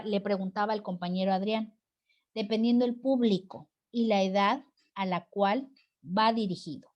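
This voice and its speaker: A woman's voice: mid-range voice, darkish tone. A woman teacher leading an online class discussion, encouraging students and tagging her points with "right?". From Mexico. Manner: encouraging, frequent "¿verdad?" tag questions. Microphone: video call.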